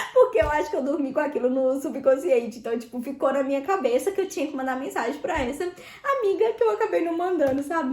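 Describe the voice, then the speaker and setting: Fast, high-voiced chatty young woman vlogger. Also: roomy sound. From Brazil. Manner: chatty, animated, addresses viewers as "gente". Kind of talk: casual chat answering viewer questions.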